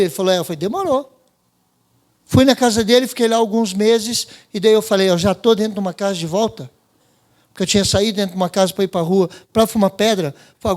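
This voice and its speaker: A man with a Brazilian Portuguese accent preaching a church sermon, mixing Bible reading with his own testimony in informal street slang and acting out dialogue. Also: high voice. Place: church service.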